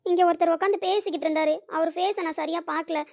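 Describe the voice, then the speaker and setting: A woman's voice: extremely high pitch, steady tone, quick pace, a little mellow. A woman playing a desperate, pleading young woman. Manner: pleading, urgent. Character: desperate young woman needing money for her father. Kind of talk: amateur audio drama.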